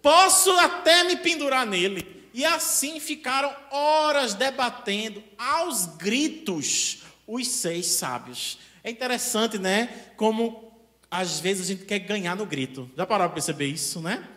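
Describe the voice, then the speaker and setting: A man with a Brazilian accent delivers a spiritist lecture in a chatty style and keeps checking in with the audience. His voice is high, bright and very lively. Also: unhurried. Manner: animated, conversational, asks the audience often.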